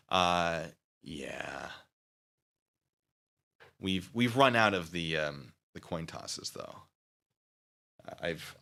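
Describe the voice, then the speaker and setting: A man's voice: sits low, creaky, bright, forceful tone. A man live streaming, rambling casually with mock-petty sarcasm while reading chat.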